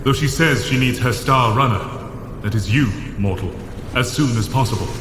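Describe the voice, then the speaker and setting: A man's voice: medium pitch, moderate pace, lightly acted. A man speaking in an audio drama, heard in an echoey, distant, noisy recording.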